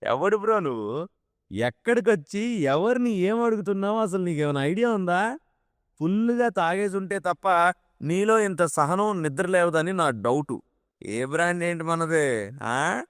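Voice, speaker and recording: A man's voice: fairly high pitch, lively intonation, moderate pace, clean tone, dry recording, studio quality, voice pushed up, natural voice. A man voicing an arrogant, drunk young male office bully in an audio drama, sneering, mocking and threatening.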